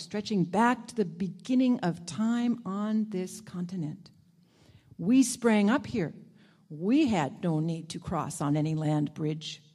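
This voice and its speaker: A clever old male dog tells his tale with proud, dry wit, as a woman reads him aloud in her own voice. The pitch sits in an ordinary middle range, and the delivery stays plain and unhurried. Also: dark tone, natural voice. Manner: plain reading voice, unhurried storytelling. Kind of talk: reading a first-person story aloud.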